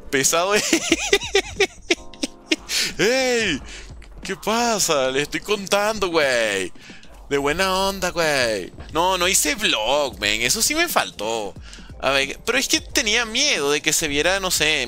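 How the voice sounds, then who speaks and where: Bright, lively streamer. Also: male voice, fairly high pitch. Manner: joking, reads out viewer questions and replies. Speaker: gaming streamer. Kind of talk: casual live-stream chat while playing. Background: faint background music.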